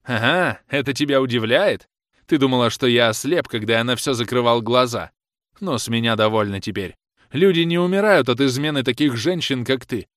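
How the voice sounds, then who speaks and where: A man's voice: mid-range voice, lively intonation, normal speed, fairly bright tone, dry recording, studio quality, lightly acted. A man voicing a jealous, furious young man who hurls accusations at his lover in a raised, scornful voice. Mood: cold scornful. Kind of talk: audiobook character reading.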